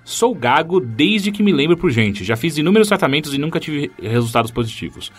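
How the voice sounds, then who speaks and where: A man's voice: a little high, very animated, a little fast, slightly rough. A Brazilian man co-hosting a casual podcast, chatting and reading out listener mail. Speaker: podcast co-host. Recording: music behind.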